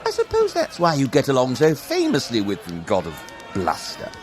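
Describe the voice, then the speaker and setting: An actor playing a theatrical dark elf tyrant in an audio drama, mocking and grandiose, drawing out his words. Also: mid-range voice, wildly swooping pitch, faint music behind. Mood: haughty, threatening. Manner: mocking, grandiose, drawn-out delivery.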